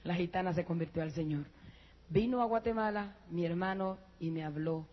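A woman giving an emotional church testimony, speaking to listeners as brothers and rising to high, excited peaks. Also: moderate pace. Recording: muffled lo-fi church recording.

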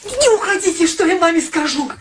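A woman's voice: very high voice, big pitch swings, a little fast, heavy background noise. An actress playing a proud, stubborn single woman in a radio play, with a sardonic, insistent manner. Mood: defiant.

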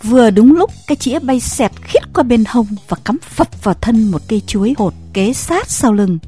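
A woman narrating a story in an expressive, scripted way. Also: a little high, normal speed, soft background music.

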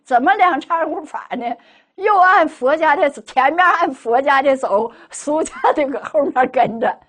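A woman's voice: sits high, a little slow. A middle-aged woman tells a personal testimony as a Buddhist lay speaker, acting out the dialogue she quotes. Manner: animated, acts out quoted dialogue.

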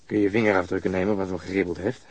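An actor playing a gruff, blunt police detective in a radio drama, with a gravelly, husky voice. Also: male voice, sits low, little pitch movement, rapid-fire. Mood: terse concern. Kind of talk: naturalistic radio drama acting.

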